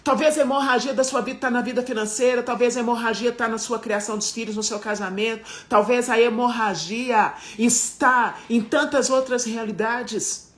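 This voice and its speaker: A woman's voice: on the high side, normal speed. A middle-aged woman preaching a live-streamed sermon, fervent and exhorting, with repeated phrases.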